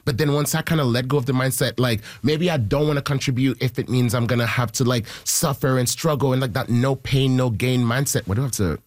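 Haitian-born singer guy, talks a mile a minute, squeaks up high when quoting himself, super dry mic. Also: fairly quick, hardly any pauses, no room sound. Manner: animated, excitable storyteller who jumps into high-pitched quoted voices. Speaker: musician guest. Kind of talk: casual interview storytelling.

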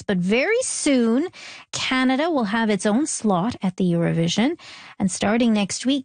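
Bright-voiced woman radio host. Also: fairly high pitch, no room sound. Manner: friendly, smooth presenting. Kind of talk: radio show hosting. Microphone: studio microphone.

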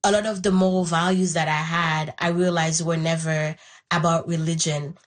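A young woman from Haiti, whose first language is Haitian Creole, talks through her own story at a fairly low pitch. She is earnest and unhurried and pauses to search for her words. She sounds like a guest being interviewed. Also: level tone. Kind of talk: reflective personal story.

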